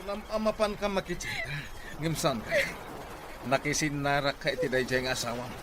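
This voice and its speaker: Against clear noise, an actor plays a jealous, accusing husband with an Ilocano accent. The voice is high and swings sharply, menacing in radio-drama fashion. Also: male voice, wildly swooping pitch, brisk. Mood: angry, jealous. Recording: clearly noisy ambient background.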